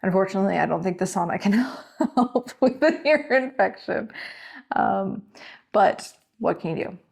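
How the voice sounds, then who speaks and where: Thirtyish woman vlogging, rambly chatty storyteller, kinda yawny, ordinary mid pitch. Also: lively intonation, normal speed, creaky, a little mellow, breathy edge. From Canada. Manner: rambling and chatty, full of "like" and self-corrections. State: yawning, has an ear infection. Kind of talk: casual storytelling vlog.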